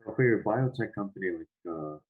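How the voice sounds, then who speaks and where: Late-teen male, deep voice, husky, casual conversational, tentative measured phrasing. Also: expressive, narrow, tinny audio. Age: 17, late teens. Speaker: high school student in conversation.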